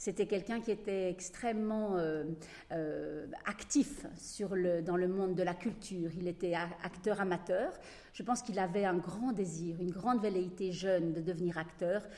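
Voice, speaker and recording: A woman talks at a fairly slow pace in a normal speaking voice, with a medium pitch and ordinary pitch variation. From Switzerland, Neuchâtel. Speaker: choreographer. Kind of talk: public talk.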